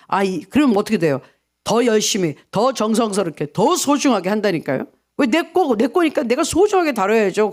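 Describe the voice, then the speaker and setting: A male pastor giving an early morning sermon, asking many rhetorical questions and acting out the people in his story. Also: very high-pitched. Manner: rhetorical questions, acts out quoted voices.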